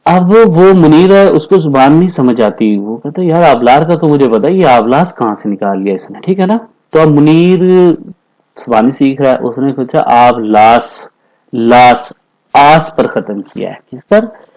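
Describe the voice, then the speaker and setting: Guy teaching spanish, patient, says examples slow, keeps checking you follow. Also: mid-range voice, animated, darkish tone, rough recording. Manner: explains patiently, repeats phrases, keeps asking "theek hai na". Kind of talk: classroom-style language lesson.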